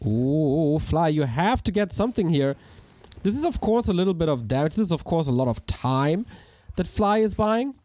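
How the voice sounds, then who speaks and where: A man with a hoarse voice, casting a live strategy game match in an energetic, chatty way while thanking viewers. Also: fairly high pitch, normal speed. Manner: energetic, chatty, talks to chat. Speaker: esports caster. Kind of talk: live game commentary with chat shout-outs.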